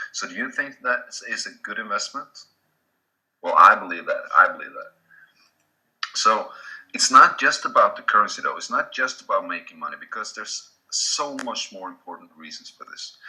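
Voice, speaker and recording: Speaking at a moderate pace with a Swedish accent, a man leaves long, frequent pauses while his loudness swings widely. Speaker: network marketing presenter. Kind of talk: sales presentation.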